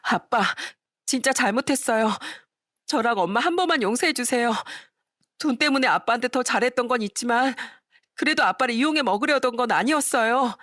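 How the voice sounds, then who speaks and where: A woman's voice: on the high side, a little fast, fairly bright tone, no echo, clean studio sound, pitched above the performer's own voice, close to an everyday voice. A woman voicing a scheming young stepdaughter pleading with her stepfather not to throw her out. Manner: pleading, wheedling.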